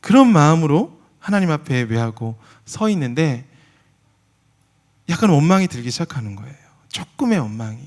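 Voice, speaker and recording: Lively high-voiced male preacher. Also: moderate pace. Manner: animated storytelling, acting out prayers and dialogues. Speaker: missionary preacher. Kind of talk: sermon with personal testimony. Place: large church sanctuary.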